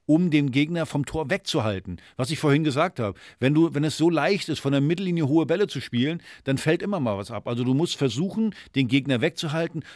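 A man's voice: on the high side, animated, quick pace, hardly any pauses, darkish tone, no echo, clean studio sound. A man giving casual football analysis as a podcast panelist.

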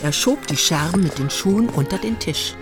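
An actress playing a detached, ironic narrator in a radio play, telling the story in measured, dry literary prose. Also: female voice, lowish voice, expressive, music in the background. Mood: dry, observing.

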